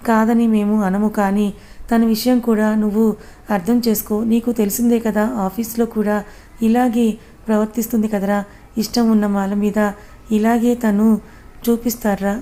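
Woman reading as a calm soothing male friend. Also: mid-range voice, lightly acted. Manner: soothing, persuasive. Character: young man, calm reasoning friend.

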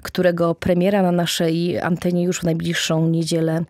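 A woman in her thirties hosting a culture interview in a radio studio, pausing mid-sentence as she goes. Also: on the low side, completely flat delivery, a little mellow. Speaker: radio host. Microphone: broadcast studio mic, headphones.

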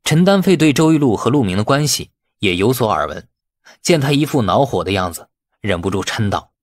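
A man's voice: medium pitch, very animated, fairly quick, dry recording, clean studio sound. A man narrating a novel as a dramatic scripted audiobook.

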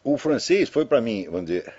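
Husky older man, rambling commentary. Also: mid-range voice, very animated, moderate pace, darkish tone. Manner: rambling, tag questions, anecdotal. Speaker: commentator addressing listeners. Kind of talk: casual spoken commentary. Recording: dull lo-fi audio.

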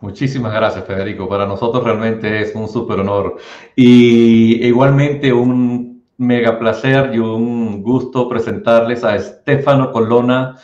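A man's voice: mid-range voice, steady tone, a little slow, darkish tone. Chatty man hosting a video call. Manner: enthusiastic, chatty, uses filler "este". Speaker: webinar host. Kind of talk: hosting a webinar panel. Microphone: video call, laptop mic. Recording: roomy, dull video call audio.

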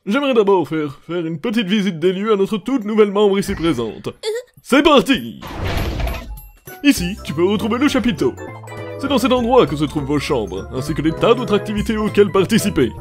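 A man's voice: high-pitched, sing-song, fairly quick, over music. A man voicing a manic, cheerful ringmaster of a digital circus in a French cartoon fan dub, with theatrical, grandiose delivery. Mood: showy, exuberant.

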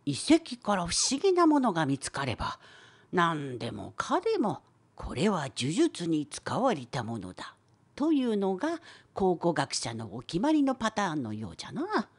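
A woman voicing a wise, opinionated old professor in an educational cartoon, with a creaky, husky old-timer voice and a wry lecturing manner. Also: on the low side, huge pitch swings, normal speed, heavily acted. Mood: wry, explaining. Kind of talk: scripted educational cartoon dialogue.

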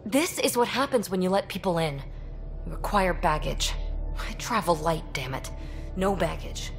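A woman's voice: lowish voice, animated, normal speed, faint music behind. A woman playing an impulsive, guarded, wry young alien adventurer in a video game, with breezy, sardonic delivery. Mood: vulnerable, frustrated. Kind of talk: video game dialogue acting.

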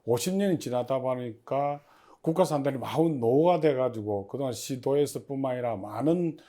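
A man giving formal, prepared interview answers as an agency official, in measured and stiffly official phrasing. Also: medium pitch, lively intonation, dark tone. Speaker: head of a public industry agency, interview guest.

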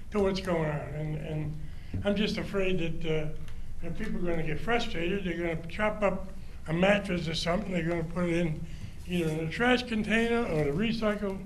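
An older man speaking as a citizen at a public comment microphone in a large council chamber, friendly and halting, with many restarts. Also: high-pitched. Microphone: standing microphone. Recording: roomy hall sound, faint hum.

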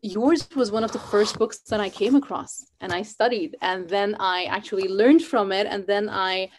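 A woman's voice: medium pitch, normal speed, slight background noise, low-quality recording. Earnest woman host on a video call. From Pakistan. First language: Urdu. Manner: warm, earnest, many fillers. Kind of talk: live video call interview. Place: home room, indoors.

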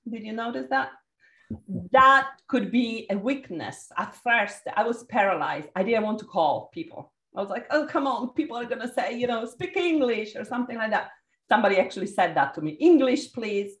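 Italian-accented woman facilitating over a video call, lively and encouraging, roomy echo. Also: a little high, moderate pace. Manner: energetic, encouraging, calls on participants. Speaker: workshop facilitator. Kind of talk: leading a group video call.

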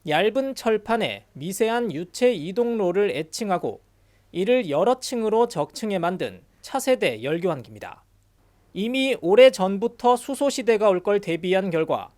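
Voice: mid-range voice, darkish tone. A news reporter reading scripted narration for a broadcast industry report.

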